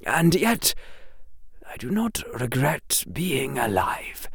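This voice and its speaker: A reader voicing an ancient, gentle wizard headmaster in a slow, hushed, breathy whisper. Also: medium pitch, very animated, dry recording, voice pushed up, exaggerated voice. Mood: weary, quiet. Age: over 100 (figure).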